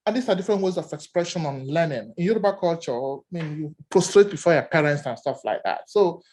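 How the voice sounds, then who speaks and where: A man with a Nigerian accent, giving animated seminar remarks as an academic discussant and telling stories with many repeated words. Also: fairly high pitch, quick pace, a little hiss or hum.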